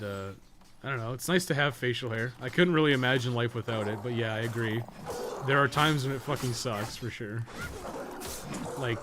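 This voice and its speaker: A man's voice: mid-range voice, fairly bright tone. A young man giving casual live gaming commentary, thinking aloud in a rambling, mildly sweary way. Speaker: game streamer. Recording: noticeable background noise.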